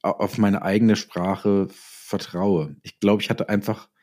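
A middle-aged man with a low, very mellow voice speaks in a conversational interview. He reflects as he goes, often breaking off and rephrasing mid-sentence. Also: steady tone. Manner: halting, self-correcting, reflective storytelling. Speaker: interview guest, audio drama writer and author.

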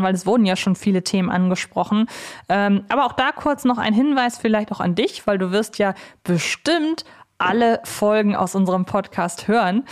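A woman hosts a conversational podcast interview. Her voice sits at a medium pitch, and she speaks as someone leading a talk with a guest. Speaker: podcast host.

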